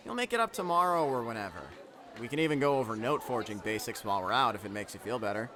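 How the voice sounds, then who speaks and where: A man's voice: medium pitch, lively intonation, fast talker, pushed and bright, a little hiss or hum. An actor playing an easygoing, cheeky teenage boy in an audio drama, talking casually and breezily. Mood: breezy, reassuring.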